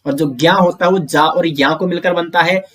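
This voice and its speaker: A man with a somewhat high voice teaches an online grammar lesson. He works through the material step by step, asks questions and answers them himself, and calls the listeners his friends. When drilling pronunciation, he says each sound out slowly. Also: fairly even intonation, a bit bright. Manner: often addresses listeners as friends.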